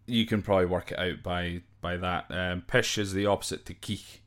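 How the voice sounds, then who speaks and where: In a deep, steady voice at normal speed, a Scottish man hosting a podcast goes through a list of slang. He explains the terms casually and hesitantly without preparation, at times spelling them out.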